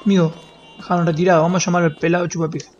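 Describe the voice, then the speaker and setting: A man's voice: fairly high pitch, flat delivery, racing, a little mellow, muffled recording, faint music behind. Brash young Rioplatense man streaming. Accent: Rioplatense Spanish. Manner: brash, swearing, joking, half-singing. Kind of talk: casual gameplay roleplay stream.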